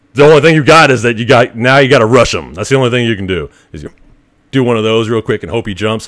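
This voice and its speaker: The speaker talks very fast in an animated tone, with lively intonation, vocal fry and big swings in loudness. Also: man, medium pitch for a man. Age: 30s. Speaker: podcast host. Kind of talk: casual storytelling monologue.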